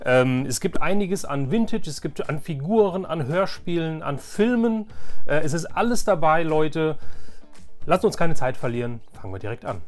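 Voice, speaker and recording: A man's voice: on the high side, animated, normal speed, soft background music. A man chatting casually and enthusiastically to viewers as he hosts a collecting video, often repeating words for emphasis. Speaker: host of a toy collecting video channel.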